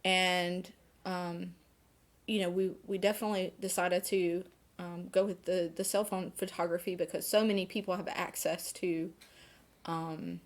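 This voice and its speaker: Woman, forty, slightly low voice, instructor being interviewed, halting conversational answers. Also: steady tone.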